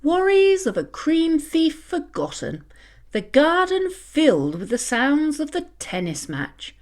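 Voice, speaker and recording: A woman narrating a children's storybook in a theatrical, expressive read-aloud style. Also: high voice, slow pace.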